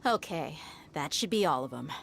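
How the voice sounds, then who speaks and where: A woman's voice: deep voice, animated, moderate pace, creaky, noisy background. A woman playing a shrewd, cool-headed young desert mercenary in a video game, speaking in a self-assured, matter-of-fact way. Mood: calm, assured. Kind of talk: dramatic video game voice acting. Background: music.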